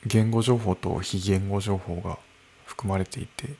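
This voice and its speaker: A man in his early thirties talking alone into a microphone in his room, slow and musing, with soft laughs. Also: low-pitched, gravelly, slight background noise. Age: early 30s. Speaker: podcast host. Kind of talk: unscripted solo podcast talk. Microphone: podcast microphone.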